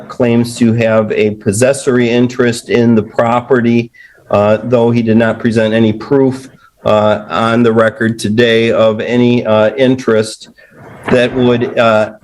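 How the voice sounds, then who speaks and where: A man presiding as judge over a hearing, speaking in a measured, halting way with frequent pauses, heard on a courtroom audio recording. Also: mid-range voice, darkish tone, rough recording.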